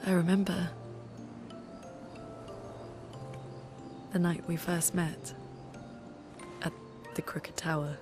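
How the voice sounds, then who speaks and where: A woman's voice: on the low side, fairly even intonation, unhurried, music in the background. An actress playing a serious, analytical young woman who questions her companions, in a game cutscene. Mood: soft. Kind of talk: video game cutscene acting. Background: orchestral game score.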